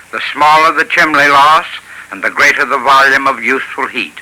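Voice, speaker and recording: A man giving scripted advice to listeners on a 1930s radio program, in a measured, instructive way. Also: medium pitch, sharp tone, rough recording. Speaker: sponsor's heating expert. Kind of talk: scripted advertising talk. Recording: old radio broadcast.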